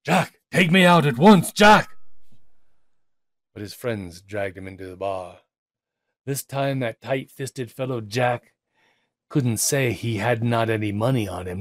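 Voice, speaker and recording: Low-voiced man telling a dramatic tale. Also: no echo, studio quality. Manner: theatrical, with deliberate pauses and emphasis. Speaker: audiobook narrator. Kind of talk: dramatic literary storytelling.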